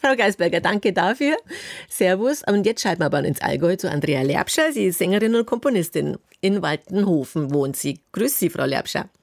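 A woman's voice: lowish voice, sing-song, fairly quick, no room sound. A woman hosting a radio call-in, listening attentively and affirming callers with short murmurs. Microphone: studio microphone.

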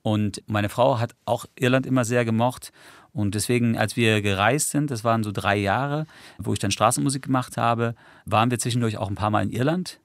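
A man's voice: medium pitch, a little fast, dry recording. A man whose first language is English, a musician guest in a radio studio interview, talking reflectively and rambling with many tag questions.

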